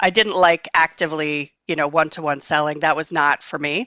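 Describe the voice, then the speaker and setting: A woman with an American accent, fairly quick and bright, sharp in tone, on a very clean recording with a silent background and a dry, close sound with no echo. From United States. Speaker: marketing executive. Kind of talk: interview.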